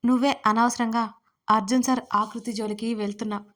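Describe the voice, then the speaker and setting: A woman's voice: a little high, steady tone, fairly quick, fairly bright tone, natural voice. A woman voicing a serious, protective young woman who speaks sternly in an audio story.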